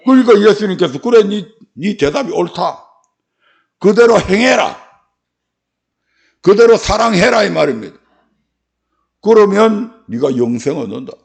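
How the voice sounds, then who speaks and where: A man's voice: high voice, sing-song, unhurried, creaky, pauses often. A male pastor in his fifties with a Gyeongsang dialect, preaching a folksy sermon in a church and asking his congregation questions. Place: church sanctuary.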